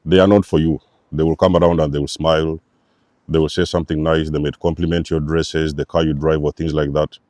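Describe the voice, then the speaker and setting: A man's voice: very deep voice, flat delivery, brisk, a little mellow, no echo. A man hosting a spiritual channel, giving an emphatic, repetitive preacher-like talk to his viewers. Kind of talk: spiritual teaching monologue.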